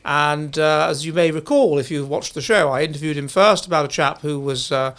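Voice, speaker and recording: Posh english guy hosting a chat, stumbles and repeats himself a lot, kinda high voice. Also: fairly bright tone. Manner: halting, full of restarts and repeated words. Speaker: host. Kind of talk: interview host, chatty.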